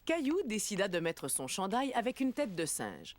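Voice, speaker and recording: A woman's voice: mid-range voice, sing-song, moderate pace, dry recording, lightly acted. A woman acting as a storybook narrator in a children's cartoon, telling the tale in scripted narration. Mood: gentle. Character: storybook narrator telling a small boy's day.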